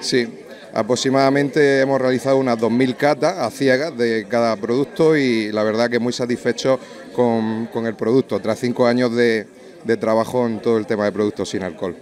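A man in his forties giving an interview at a busy restaurant event, speaking into a handheld mic with a fluent sales pitch full of "eh" fillers. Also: steady tone, moderate pace, a little mellow. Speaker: drinks company representative.

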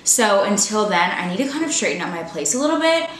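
A woman's voice: mid-range voice, sing-song, fast talker, a bit bright, slight background noise. A woman in her twenties vlogging at home, talking casually with lots of "like" fillers. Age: 20s. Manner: chatty, filler-heavy, upbeat. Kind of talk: casual vlog chat. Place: apartment room at home. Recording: echoey room.

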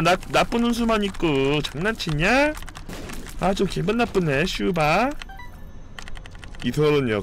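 A young man streaming a video game live, commenting excitedly, swearing often and talking to his viewers. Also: high voice, a little hiss or hum.

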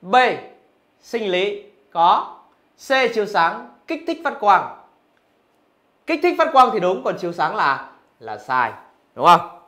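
A man's voice: high-pitched, sing-song, slow pace, pauses often, sharp tone. A male physics teacher going through exam answers, asking his students rhetorical questions as he explains. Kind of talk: exam review lesson.

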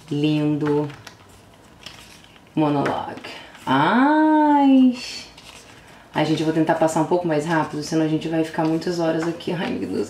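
A young woman with a Brazilian Portuguese accent, gushing and exclamatory as she unboxes an album, dropping into hushed whispers and bursting into sudden squeals. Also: sits low. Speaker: vlogger. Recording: roomy echo, faint background noise.

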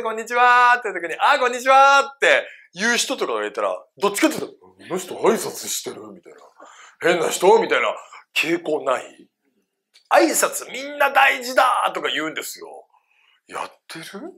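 A man leads a live seminar, speaking to a room of adult listeners. His delivery is playful and he keeps turning questions back to the crowd. His voice is bright and forceful, and his pitch swings widely from phrase to phrase. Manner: animated, playful, quizzes the audience. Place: seminar room with a live audience of about twenty or thirty adults.

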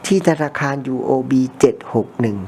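A man's voice: fairly quick, mellow, a little hiss or hum. Chatty man rambling during ear cleaning. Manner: chatty rambling storyteller, blunt informal speech. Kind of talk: casual chat during ASMR ear cleaning. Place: ear-cleaning session with a customer.

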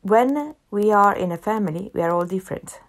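A woman's voice: medium pitch, animated, a little fast. A woman with an Italian accent hosting a solo podcast, talking earnestly and repeating phrases for emphasis. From half Italian, family in Italy. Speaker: podcast host.

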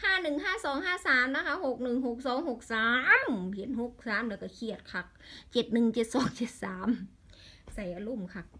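A woman's voice: a little high, very animated, brisk, sharp tone. A woman with an Isan accent in a casual vlog, rattling off lottery number strings and breaking into exasperated grumbles.

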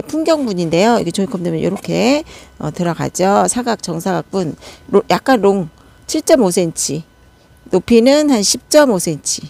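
Woman doing a chatty pot sale, gravelly voice, kinda dark and mellow. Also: mid-range voice. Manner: chatty, counts numbers and prices aloud. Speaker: succulent pot seller. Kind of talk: casual product showcase.

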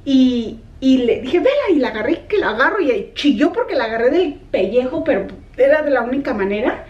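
A woman's voice: sits high, fairly quick, recorded from a distance, muffled recording. A middle-aged woman, chatting casually in a home vlog and slipping in English words. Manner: chatty, animated storytelling mixing in English words. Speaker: vlogger. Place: her home, kitchen and yard.

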